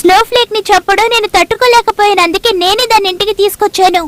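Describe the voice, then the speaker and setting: A woman voicing an eager, tender-hearted, outspoken little girl in an expressive cartoon dub. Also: very high-pitched, fast. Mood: indignant. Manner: earnest, expressive. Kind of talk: Telugu cartoon dubbing.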